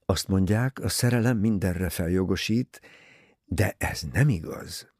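A male reader voicing a shrewd, calm older male detective in an audiobook, speaking in measured, sententious remarks. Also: deep voice, dry recording, studio quality.

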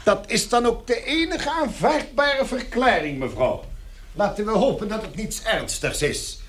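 A self-important chief clerk with a strikingly high, animated voice. He speaks formally and at length, impatient and stern, as in a radio play. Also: measured pace, slight background noise. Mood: stiffly courteous. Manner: formal, pompous, long-winded. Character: pompous, impatient male chief clerk, stern company official. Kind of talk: radio drama acting.

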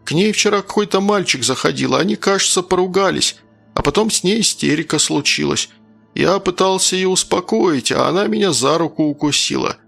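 Man voicing a sly stepfather, falsely gentle, gravelly, slightly high. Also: fairly quick, soft background music, full character voice. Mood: soothing. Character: soothing hungover stepfather, sly.

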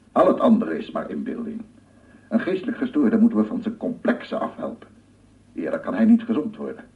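An actor playing a paranoid, embittered amateur sound researcher in a theatrical radio drama monologue, muttering and proclaiming. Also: male voice, lowish voice, creaky, breathy edge, full character voice. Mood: fanatical proclaiming. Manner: theatrical, muttering to himself, repeating words, swelling into proclamations. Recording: muffled narrow-band old radio recording, noisy.

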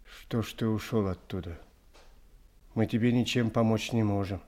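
A man's voice: fairly low pitch, moderate pace, darkish tone, natural voice. An actor playing a brusque, commanding army sentry, concerned for his comrades, in a wartime radio drama. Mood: brusque, stern.

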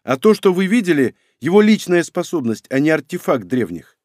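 A man's voice: a little high, big pitch swings, normal speed, a little mellow, no room sound, voice pushed up. Guy narrating doing a sarcastic young guy, blunt, bouncy voice, dry close mic. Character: cocky young male hero, blunt and sardonic. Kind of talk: audiobook reading.

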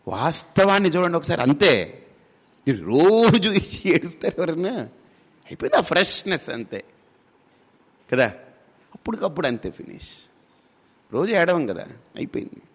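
A man's voice: on the high side, big pitch swings, moderate pace, pauses often. A man as spiritual teacher giving a discourse, conversational, with rhetorical questions and humorous asides. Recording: long hall reverb.

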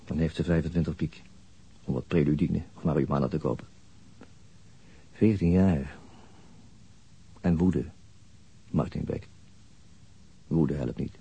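An actor playing a weary, brooding middle-aged police detective in a radio drama, restrained and husky. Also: male voice, a bass voice, unhurried, pauses often, warm tone, full character voice. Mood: weary, resigned. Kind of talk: radio drama dialogue and inner narration.

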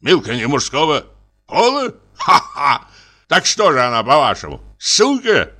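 A man's voice: measured pace, heavily acted. A man reading a story aloud, voicing a boastful middle-aged army lieutenant who wheedles and blusters as he pushes a sale. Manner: wheedling, blustering, swinging high and excited.

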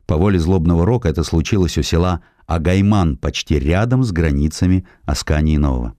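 A man narrating a historical essay as an audiobook, in a measured, expressive storytelling manner. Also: low-pitched, no room sound, clean studio sound.

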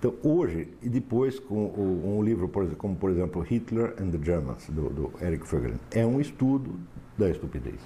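A man lecturing on philosophy in a low, mellow voice that rises and falls sharply. He talks in an emphatic, sardonic way and keeps checking his listeners follow. Faint hiss sits under the recording. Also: very animated, normal speed. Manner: emphatic, sardonic, asks "tá certo?" for assent. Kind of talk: lecture to a class.

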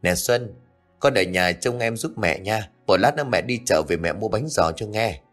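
A man voicing a meek, patient young mother who speaks softly and holds back tears. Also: fairly low pitch, lively intonation, moderate pace, faint music behind. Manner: soft, meek, restrained.

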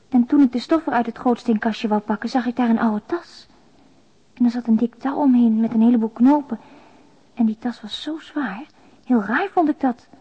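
A naive young mother in a radio play, reading out her confession. Her voice is high and breathy, intimate and hesitant, close to whispering at times. The dull recording has some room around it. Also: dark tone, no echo. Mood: hushed, wistful. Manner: intimate, confiding, hesitant, lapsing into near-whispers. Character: anxious, naive young mother confessing a bank robbery by letter. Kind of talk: radio drama monologue, letter read in voice-over.

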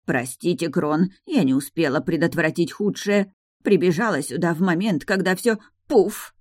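Fussy old nanny done by a woman reading, reproachful and preachy, bit higher than her low voice. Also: normal speed, darkish tone, breathy edge, dry recording, studio quality. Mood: scolding. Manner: reproachful, lecturing. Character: stern older female nanny, scolding, fussy.

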